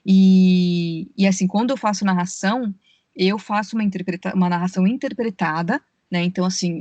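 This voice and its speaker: A woman's voice: medium pitch, darkish tone, no room sound. A woman, a voice actress and audiobook narrator, explaining her work at length on a podcast call and often saying "né". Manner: explains at length, many fillers like "né" and "assim". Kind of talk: podcast interview over a call. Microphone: remote call.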